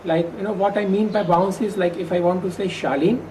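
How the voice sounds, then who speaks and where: A woman with an Indian English accent, a workshop participant who stammers, explaining in a measured way with occasional stammered restarts. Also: on the low side, steady tone, dark tone, a little hiss or hum, low-quality recording. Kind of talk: exit interview, explaining in earnest.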